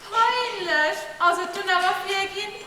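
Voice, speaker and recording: A woman's voice: very high-pitched, moderate pace, sharp tone, slight background noise. Woman playing a dry, teasing office prankster. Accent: Luxembourgish. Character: mischievous office worker pranking her boss. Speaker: cabaret actor. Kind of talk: live stage cabaret sketch. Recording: distant echoey stage recording.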